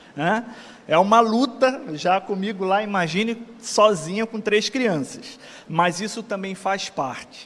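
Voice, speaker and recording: A man speaks at a very slow pace in a high voice with ordinary pitch variation. Noticeable background noise runs underneath. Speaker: pastor and missionary. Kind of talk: sermon. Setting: church.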